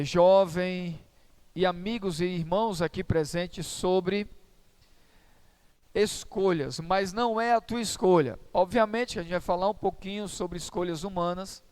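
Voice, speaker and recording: A man's voice: high voice, smooth. A man preaching a sermon in church as pastor, in a conversational, humorous storytelling manner.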